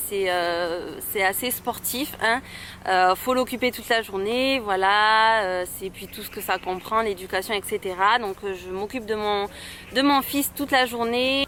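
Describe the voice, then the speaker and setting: A woman's voice: mid-range voice, a bit bright, a little hiss or hum. A young woman from Toulouse answering viewer questions in a casual outdoor vlog, talking hesitantly with lots of filler words. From Toulouse, France. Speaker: YouTuber.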